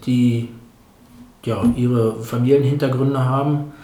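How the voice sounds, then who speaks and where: Fairly slow speech with audible room echo. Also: man. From eastern Germany, Brandenburg (Uckermark). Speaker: street youth worker. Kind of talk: interview conversation. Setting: office.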